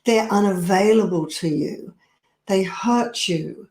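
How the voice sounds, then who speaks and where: A woman's voice: medium pitch, a little mellow. A middle-aged woman, a personal power coach, speaking earnestly and confidingly straight to the viewer. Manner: slow, earnest and confiding, addressing the viewer directly. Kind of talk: direct-to-camera coaching talk. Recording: roomy echo.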